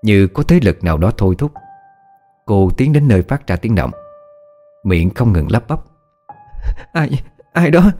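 A man reading a scripted horror story in a dramatic, expressive way. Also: low voice, normal speed, pauses often, faint music behind.

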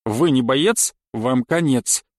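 A man's voice: mid-range voice, slow, a little mellow, no echo, studio quality, pitched below the performer's own voice, natural voice. A man voicing a pedantic male knife-fighting coach who lectures dryly and thoroughly in an audiobook. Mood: lecturing. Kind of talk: audiobook character reading.

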